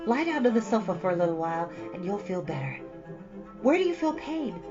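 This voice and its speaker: A woman's voice: mid-range voice, sing-song, a little fast, pitched above the performer's own voice, lightly acted. A woman puts on a chatty young girl with a head full of fancies, spilling dramatic tales in long breathless runs. The voice rises and falls a lot. It is a slightly dull storybook recording with faint music in the background. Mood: pleading. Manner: breathless, run-on storytelling, theatrical.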